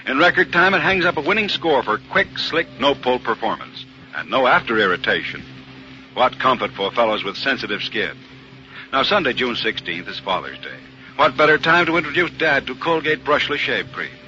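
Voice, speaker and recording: A man's voice: medium pitch, very animated, normal speed, sharp tone, soft background music. An American man reading a 1940s radio commercial as a polished, punchy old-time narrator and announcer. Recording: narrow vintage radio sound, background noise.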